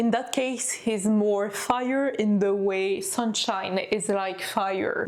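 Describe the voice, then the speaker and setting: Over noticeable background noise, a woman with a non-native accent talks at a very slow pace, her fairly high voice kept to fairly even intonation. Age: 20s. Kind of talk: casual movie analysis talk to camera.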